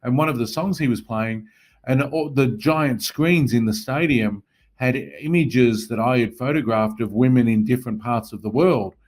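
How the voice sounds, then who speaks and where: A man's voice: mid-range voice, normal speed, darkish tone. An Australian man, an interview guest, telling stories about his work in a casual, modest way. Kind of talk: casual conversational storytelling.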